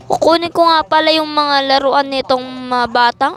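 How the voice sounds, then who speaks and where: Bright high voiced woman playing every family member in a game, slow and playful. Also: fairly even intonation. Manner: playful, switching between characters. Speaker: game role-player. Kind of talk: role-play voicing a whole family.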